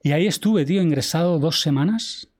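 Man telling a story, mellow tone. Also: fairly high pitch, a little fast. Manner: vivid retelling, acts out quoted dialogue, swears casually. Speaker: podcast guest, traveler. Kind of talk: casual storytelling interview.

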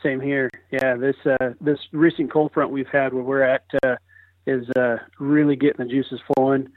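A man's voice: mid-range voice, little pitch movement, normal speed, no echo. Man talking over a tinny phone line. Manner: easygoing, thinks aloud with filler words. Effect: heard over a phone line. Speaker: podcast guest, landscape architect. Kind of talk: casual interview chat. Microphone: telephone.

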